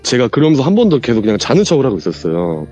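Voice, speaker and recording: A man's voice: medium pitch, racing, faint music behind. A man guest on a horror radio show, casually telling a true ghost story and acting out the lines people said. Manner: animated, acts out quoted lines from the story.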